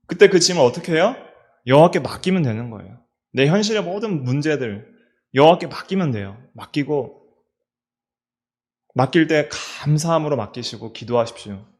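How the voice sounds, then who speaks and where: A middle-aged man, a pastor with a Daegu-region Korean accent, preaching a sermon in a church and asking his listeners many questions. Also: fairly high pitch. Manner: preaching with rhetorical questions and repetition. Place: church sanctuary.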